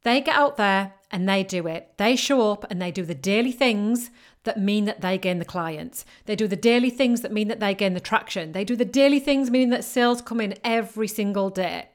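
A woman's voice: mid-range voice, normal speed. A woman with a northern English accent, giving an emphatic, motivational business-coaching talk. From northern England. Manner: emphatic, repetitive encouraging delivery. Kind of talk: motivational podcast monologue.

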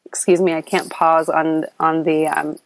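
Recorded close and dry through an app with no echo, this low-pitched podcast host delivers a spiritual coaching monologue slowly and with a flat delivery. She has a slight lilt and a somewhat scratchy voice, and she's earnest but meandering, with ums and restarts.

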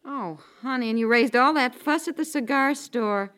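Woman playing a high-voiced, exasperated radio wife. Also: moderate pace, a bit bright, natural voice. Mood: coaxing. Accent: American. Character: patient but exasperated suburban wife and mother. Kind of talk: 1950s radio comedy acting.

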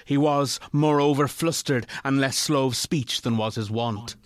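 A man narrating a literary ghost story in a measured, formal way. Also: medium pitch, no echo, studio quality, close to an everyday voice.

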